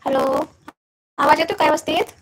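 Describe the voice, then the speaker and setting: A woman's voice: high-pitched, little pitch movement, fairly quick, rough recording. A young woman with a Marathi accent hosting a casual phone live stream, chatting with viewers and asking whether her audio comes through.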